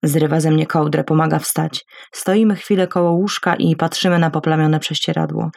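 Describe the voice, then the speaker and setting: A woman narrating a first-person novel in a very low, gravelly voice. Her reading is quiet, measured and inward. The sound is dry and close. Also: fairly even intonation, no room sound. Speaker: audiobook narrator.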